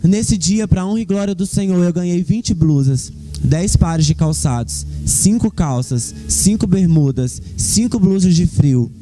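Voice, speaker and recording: A man's voice: high voice, expressive, a little slow, dark tone, soft background music. A young man giving a fervent church testimony, speaking directly to the congregation. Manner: fervent, addresses the congregation as "queridos".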